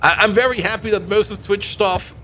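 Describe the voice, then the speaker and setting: A man's voice: high-pitched, a little fast, pushed and bright, faint music behind. A man from Germany whose first language is Dutch, chatting casually on a live gaming stream and laughing often between remarks. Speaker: game streamer.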